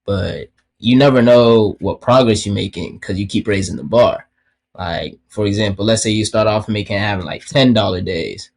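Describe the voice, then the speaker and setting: A man's voice: lowish voice, normal speed, vocal fry, husky. A young man from Kenya, a native Swahili speaker, talking about trading in a laid-back, slangy way over a video call. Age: young adult. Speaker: guest trader. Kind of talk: casual interview.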